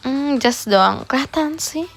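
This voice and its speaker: A woman's voice: high voice, expressive, unhurried, gravelly, faint music behind. A young woman, chatting teasingly in a playful role-play livestream and dropping in English words. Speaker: idol livestreamer.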